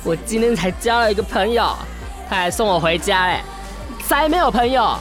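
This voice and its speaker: A man's voice: high-pitched, lively intonation, moderate pace, over music. An actor with a Taiwanese accent playing a drunk, heartbroken, brash gay man in a radio drama, rambling and slurring. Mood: tipsy defiance. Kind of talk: Mandarin radio drama acting.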